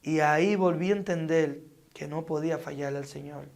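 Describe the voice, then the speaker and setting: A man's voice: on the high side, normal speed, creaky, darkish tone. A man giving a fervent, dramatic testimony as an interview guest, acting out his story with sound effects. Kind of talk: emotional testimony.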